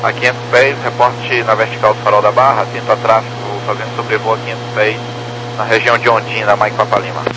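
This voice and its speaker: A man's voice: fairly low pitch, flat delivery, fast talker. A Brazilian man working as an air traffic controller, giving terse procedural instructions in clipped phraseology over crackly radio. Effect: crackly aviation radio. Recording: noisy crackly aviation radio, humming.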